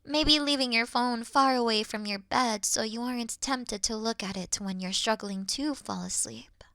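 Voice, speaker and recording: A woman playing an awkward, officious moth girl in a sleep-aid ASMR roleplay, speaking softly and deliberately in a dry bedside murmur that slips into whispers. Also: a little high, dry recording. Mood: earnest, dry. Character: awkward, officious young female moth monster offering comfort.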